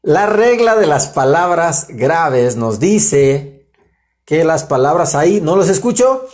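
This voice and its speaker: A man's voice: fairly high pitch, takes it slowly. Chatty Mexican man giving a lesson. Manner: animated, chatty, self-interrupting with asides to viewers. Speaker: writer giving a live grammar talk. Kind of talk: informal livestream lesson.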